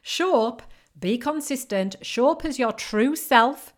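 A woman's voice: high-pitched, animated, takes it slowly. A woman with a northern English accent, giving an emphatic, motivational business-coaching talk. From northern England. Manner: emphatic, repetitive encouraging delivery. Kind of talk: motivational podcast monologue.

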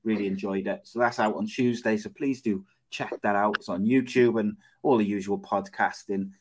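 Cardiff Welsh man, lowish voice. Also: steady tone, normal speed, a little mellow, a little hiss or hum. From Cardiff, Wales. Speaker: podcast host. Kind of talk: casual interview chat.

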